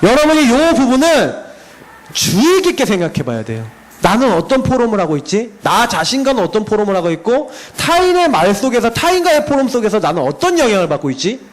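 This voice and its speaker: A middle-aged male pastor preaching to a youth group in a lively, animated way, telling stories and laughing. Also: extremely high pitch, fairly quick, low-quality recording.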